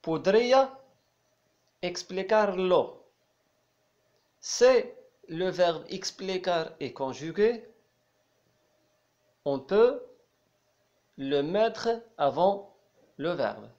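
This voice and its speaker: Guy teaching a class, talks real slow and repeats stuff, slightly high voice, kinda dull lo-fi sound. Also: expressive, a little mellow. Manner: repeats phrases, explains slowly with hesitations. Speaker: language teacher. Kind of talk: slow explanatory lesson.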